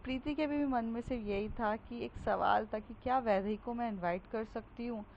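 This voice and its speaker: A woman telling a love story casually, in a conversational way with pauses and fillers. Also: a little high. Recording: dull recording with faint hiss.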